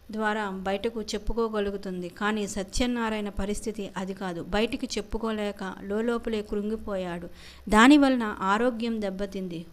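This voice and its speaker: A woman telling an emotional family story in a steady, plain narrating voice. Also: medium pitch.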